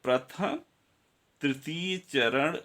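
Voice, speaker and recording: A man's voice: on the high side, expressive, drawn-out words, fairly bright tone. A male teacher giving a grammar lesson, counting syllables aloud and speaking directly to his students.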